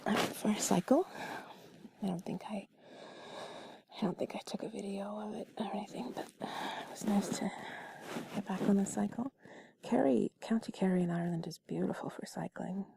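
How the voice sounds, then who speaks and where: A woman telling a personal story in an intimate, cuddly, breathy whisper, soft, rambling and confiding, as if to one listener. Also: mid-range voice, moderate pace, pauses often. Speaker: intimate audio creator.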